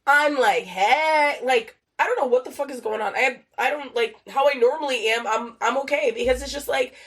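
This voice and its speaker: A woman's voice: high-pitched, moderate pace, a bit bright, slightly rough. A young adult woman hosting a casual solo podcast, rambling with lots of fillers and swearing, a little nasal and sniffly from a cold. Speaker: podcast host.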